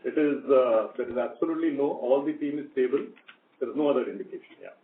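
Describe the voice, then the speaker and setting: A man's voice: medium pitch, fast talker, slight background noise. A man speaking as a company executive, giving unscripted answers on a business call. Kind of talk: spontaneous corporate question and answer. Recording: distant, echoey phone-quality conference line.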